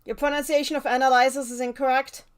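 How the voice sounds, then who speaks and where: A woman's voice: high-pitched, little pitch movement, quick pace, clear, resonant tone. A young woman in her twenties with a German accent, a native German speaker, chatting casually with viewers while playing a game on a live stream. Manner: chatty, answering viewer chat mid-game.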